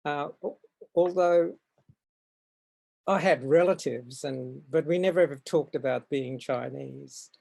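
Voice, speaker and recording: Older aussie guy in his 70s, gravelly, talks real slow, lots of ums and restarts, on a video call. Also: a little high, a little mellow, low-quality recording. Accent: Australian. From Far North Queensland, Australia. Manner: hesitant, halting, with frequent ums and restarts. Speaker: guest artist. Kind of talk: reflective storytelling in an interview. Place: at home.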